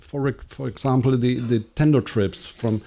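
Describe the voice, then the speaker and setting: A man interviewing former radio presenters, asking measured and somewhat halting questions. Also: mid-range voice, fairly even intonation, vocal fry, dark tone.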